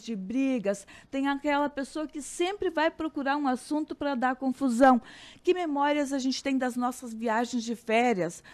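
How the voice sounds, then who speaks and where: A woman with a Brazilian accent giving a calm, reflective scripted radio commentary, slowing down on key phrases. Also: fairly high pitch. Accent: Brazilian Portuguese.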